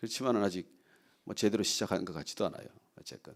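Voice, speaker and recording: A man's voice with vocal fry. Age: 60s. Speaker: pastor. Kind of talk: lecture-style sermon. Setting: church.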